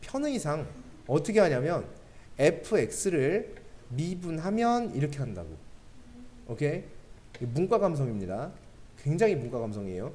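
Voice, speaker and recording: Guy teaching math class, kinda high voice, really animated ups and downs, keeps going "okay?" to the kids. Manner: keeps checking understanding with quick questions to students; joking asides between explanations.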